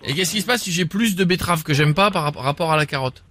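A male radio host rattles off a prank call with mock outrage and a teasing tone. His voice sits a bit high and he talks fast, with a faint hiss behind him. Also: fairly bright tone.

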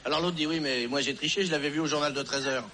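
A man's voice: fairly high pitch, steady tone, fast talker, pushed and bright, a little hiss or hum. A man telling a joke in a rambling way, with many fillers and restarts. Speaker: joke teller. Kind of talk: telling jokes aloud.

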